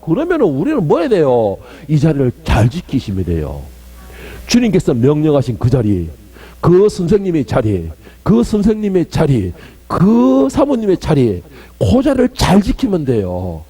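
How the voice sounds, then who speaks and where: Lively-voiced pastor preaching. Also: male voice, fairly high pitch, normal speed, husky. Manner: emphatic, questioning the congregation, swinging between loud and hushed. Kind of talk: sermon.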